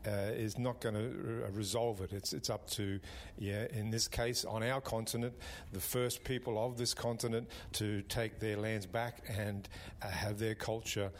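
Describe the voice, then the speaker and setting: A man's voice: on the low side, little pitch movement, measured pace, few pauses. A man speaking hesitantly on a talk radio panel, rambling with many restarts. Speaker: panel guest.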